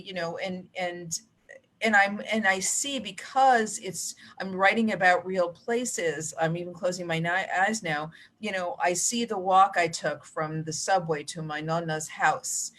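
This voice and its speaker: A middle-aged American woman with a slightly low voice talks casually in an interview. She is chatty, drifting into asides as she tells her stories. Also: fairly even intonation, a little slow, a bit bright. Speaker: mystery author, guest. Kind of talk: casual interview chat about writing.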